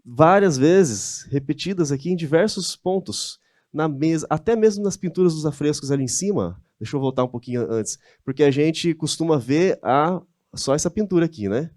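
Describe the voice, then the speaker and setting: A man's voice: a little high, expressive, moderate pace, darkish tone, dry recording, clean studio sound. A man with a Brazilian Portuguese accent giving a conversational lecture, often asking his audience rhetorical questions. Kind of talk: church-hosted lecture with slides.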